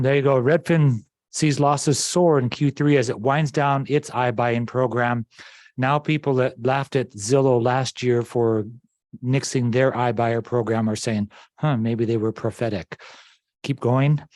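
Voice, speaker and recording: A man's voice: mid-range voice, darkish tone, dry recording. A man leading a real estate team meeting, reading headlines off slides and urging agents with upbeat talk. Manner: upbeat, urging, talks to the room. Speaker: real estate office leader.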